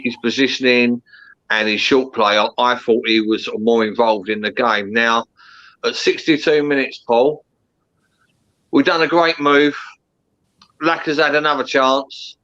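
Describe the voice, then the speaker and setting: A man's voice: medium pitch, unhurried, bright, forceful tone, dull audio. An English man hosting a casual football fan discussion, talking in a blunt, sweary way. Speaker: host of a football fan reaction show. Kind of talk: casual post-match discussion.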